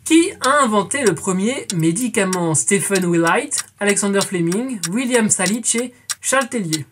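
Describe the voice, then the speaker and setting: A woman's voice: mid-range voice, animated, normal speed, noisy background. A woman in her twenties hosting a scripted educational quiz, chatty and playful, calling her viewers friends and adding jokey asides. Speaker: quiz show host.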